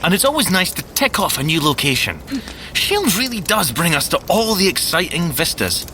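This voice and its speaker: Excitable high-voiced Scottish tech agent. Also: male voice, moderate pace, slight background noise, low-quality recording. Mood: awed, wry. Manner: expressive, wry, boyishly geeky. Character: excitable, grumbly young male tech-genius secret agent. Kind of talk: audio drama dialogue. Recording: music under the voice.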